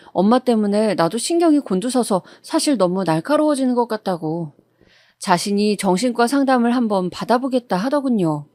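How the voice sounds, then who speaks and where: Recorded close on a studio mic with no echo, a woman narrates her own true-life story steadily and evenly. Her voice is a little high.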